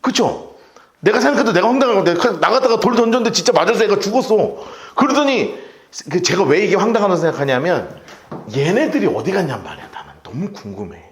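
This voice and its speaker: Give me a man telling a Bible story to a class, fairly high voice, lively, with a roomy echo. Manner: animated storytelling with vivid asides. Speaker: Bible teacher. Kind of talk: Bible study lecture. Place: church room.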